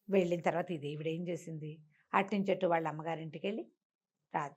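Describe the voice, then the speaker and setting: A woman's voice: fairly low pitch, fairly bright tone. A woman storyteller telling a moral tale conversationally, repeating phrases and asking rhetorical questions.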